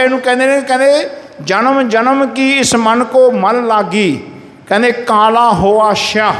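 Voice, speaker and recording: A man giving a Sikh sermon to a congregation. He intones scripture slowly and calls on listeners to answer him aloud. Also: very high-pitched, a bit bright. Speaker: Sikh preacher. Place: gurdwara hall in a village. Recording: echoey hall with long reverb.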